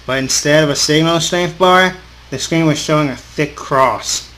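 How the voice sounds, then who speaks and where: Higher-voiced man reading a game aloud, noisy recording. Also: a bit bright. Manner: informal, halting read-aloud with off-script remarks. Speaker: gaming video host. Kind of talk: reading a visual novel aloud with casual asides. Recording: clearly audible background noise.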